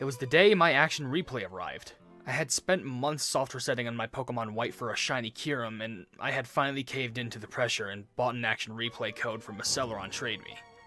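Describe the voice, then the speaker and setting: With music in the background, a man speaks very fast with hardly any pauses, at a medium pitch with ordinary pitch variation. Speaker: horror story narrator. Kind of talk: creepypasta horror narration.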